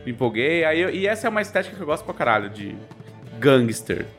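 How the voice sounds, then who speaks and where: A man's voice: on the high side, very animated, fast talker, a bit bright, soft background music. A man with a Brazilian accent chatting casually as a podcast co-host, informal, slangy and given to swearing. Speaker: podcast co-host and tabletop RPG writer.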